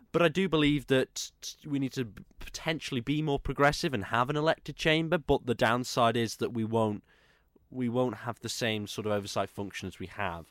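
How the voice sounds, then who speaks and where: A man with a Manx accent speaks at a fairly quick pace, medium in pitch, with lively intonation. The recording is very clean with a silent background and a dry, close sound with no echo. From Isle of Man. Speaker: podcast co-host. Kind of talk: casual political chat. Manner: halting, many repeats and fillers.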